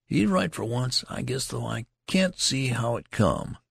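A man's voice: medium pitch, animated, measured pace, vocal fry, fairly bright tone, breathy edge, no echo, studio quality, voice pushed up, heavily acted. Man voicing a brash boastful young soldier. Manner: country dialect, boastful and indignant. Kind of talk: audiobook character reading.

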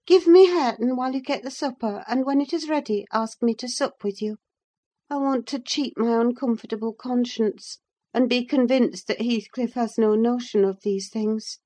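A woman's voice: a little high, normal speed, warm tone, voice pushed up, lightly acted. A woman reader voicing a passionate, headstrong young woman torn in love, speaking with impassioned fervor. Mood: uneasy. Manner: fervent, impassioned declaiming.

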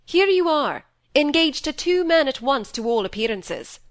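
A woman voicing a stern middle-aged male doctor and father, speaking in a measured, reproving way. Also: a little high, animated, fairly bright tone.

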